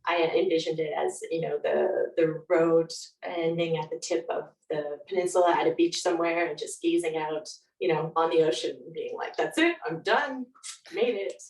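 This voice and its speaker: A woman's voice: low voice, moderate pace. A woman guest chatting casually and reflectively in an interview, telling stories in an informal way. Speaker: guest author. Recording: roomy echo, distant from mic.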